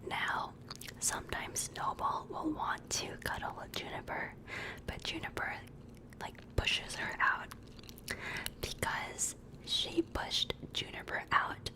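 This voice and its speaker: Slow whispering woman, gentle ASMR host. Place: dimly lit room indoors.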